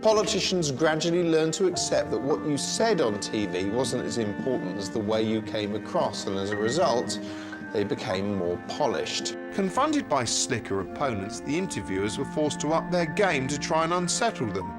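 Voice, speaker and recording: A man's voice: medium pitch, sing-song, normal speed, music in the background. A man narrating a satirical review in a sardonic, mock-exasperated voice-over. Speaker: host and narrator.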